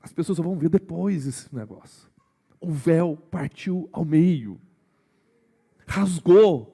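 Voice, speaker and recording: High-voiced Brazilian pastor preaching. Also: male voice, vocal fry, breathy edge. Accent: Brazilian Portuguese. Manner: conversational preaching with frequent questions to the congregation; swings between hushed, slow emphasis and raised, energetic delivery. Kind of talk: sermon.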